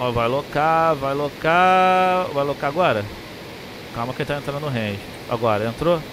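Man with a fairly high pitch and lively intonation at a moderate pace, against noticeable background noise. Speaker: gaming youtuber. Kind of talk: gameplay tutorial. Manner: casual, talkative.

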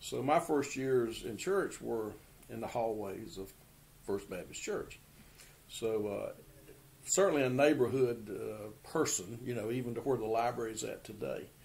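A man with an eastern North Carolina accent talks at a moderate pace. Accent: eastern North Carolina Southern. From eastern North Carolina, Goldsboro. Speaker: oral history interviewee; interviewee. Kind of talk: interview. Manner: hesitant with frequent fillers.

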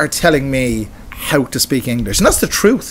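A man with an Irish accent and very wide pitch swings over light background noise. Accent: Irish (Hiberno-English). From Dublin, Ireland. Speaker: English teacher. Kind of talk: casual talk to camera. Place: home room.

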